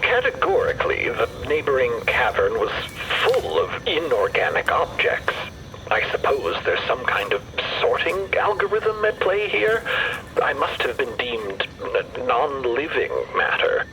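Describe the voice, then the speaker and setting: Give this one to an anxious, bookish fellow in an audio drama. His phrasing is formal, wordy and halting, with very lively pitch. There is clear noisy ambience behind him. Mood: glum, precise. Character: anxious, cerebral, wordy man named Merlin. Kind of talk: narrative fiction podcast acting.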